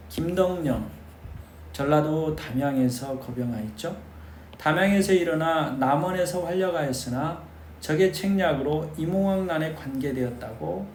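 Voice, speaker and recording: A man's voice: a little high, darkish tone. A man giving an exam-prep history lecture, speaking emphatically to his students and asking them rhetorical questions. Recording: echoey room with faint noise.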